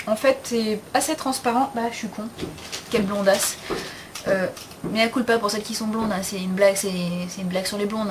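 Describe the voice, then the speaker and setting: A woman's voice: medium pitch, slight background noise. Chatty young woman with slangy talk. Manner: chatty, slangy and frank, with many fillers. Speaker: beauty vlogger. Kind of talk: casual haul video chat.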